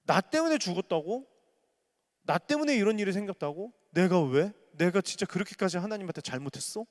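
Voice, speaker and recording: An indignant old biblical man protests his innocence, as a preacher acts him out. His voice is a little high and swings widely as he argues. It rings with the long reverb of a church sanctuary. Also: lively intonation, fairly quick. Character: aggrieved biblical man, older, indignant and sarcastic.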